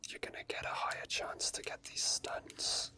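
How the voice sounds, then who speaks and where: A man's voice: normal speed, sharp tone. Whispering man doing ASMR game commentary. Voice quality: breathy unvoiced whisper. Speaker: game streamer.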